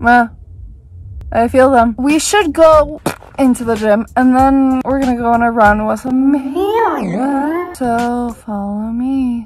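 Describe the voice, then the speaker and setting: Very slow speech comes from a woman with a high pitch. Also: ordinary pitch variation. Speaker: vlogger living in her car. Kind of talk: casual vlog chat. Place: car. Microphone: phone near.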